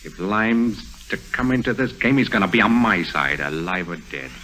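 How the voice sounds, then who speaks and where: A menacing gangster boss in an old radio play. His voice is low and sharp-edged, and he cuts people off impatiently. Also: moderate pace. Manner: impatient, curt, snarling. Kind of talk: 1950s radio drama acting. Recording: old vintage radio broadcast.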